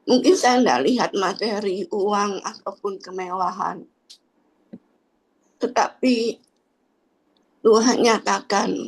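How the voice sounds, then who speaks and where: A woman's voice: mid-range voice, husky, rough recording. A woman giving a personal faith testimony in church, speaking in hesitant, trailing phrases with frequent fillers.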